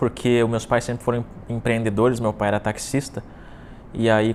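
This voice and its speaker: Over noticeable background noise, a man with a medium pitch speaks fairly quickly in a monotone, flat intonation. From southern Brazil, Porto Alegre (Rio Grande do Sul). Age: 20s. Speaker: day trader and trading coach. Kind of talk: personal story monologue. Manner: casual, with fillers and self-corrections.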